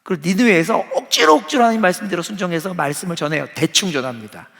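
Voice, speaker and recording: A man's voice: high voice, lively intonation, very fast, creaky, a bit bright. A man preaching a sermon as a pastor, speaking conversationally and putting questions to his listeners. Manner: conversational, asks the audience questions. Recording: long church-hall reverb.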